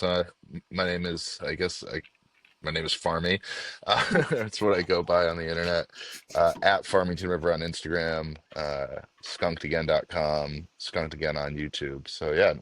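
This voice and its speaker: Stuffy-nosed man, very low voice. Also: fairly even intonation, moderate pace, fairly bright tone, no room sound. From Northeast United States. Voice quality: nasal. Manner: rambling, self-deprecating, fillers. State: stuffy nose from a cold. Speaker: podcast guest, meme page creator. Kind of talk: casual podcast chat.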